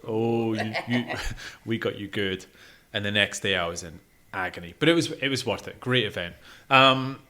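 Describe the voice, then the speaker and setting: A man's voice: fairly low pitch, normal speed, bright, forceful tone. A man co-hosting a podcast, chatting casually about gigs he has been to. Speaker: podcast co-host.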